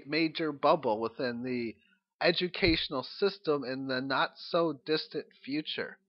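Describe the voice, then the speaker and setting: Higher-voiced man, dull lo-fi recording. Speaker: host of an economics audio log. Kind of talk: informal spoken monologue, opinion commentary. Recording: dull, low-quality lo-fi audio log.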